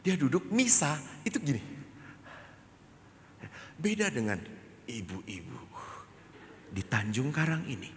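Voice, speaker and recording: A male Catholic priest giving a sermon as a storytelling preacher who swings from hushed asides to loud, raised lines. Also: mid-range voice, big pitch swings, slow, pauses often, in a large hall, background noise. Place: large hall.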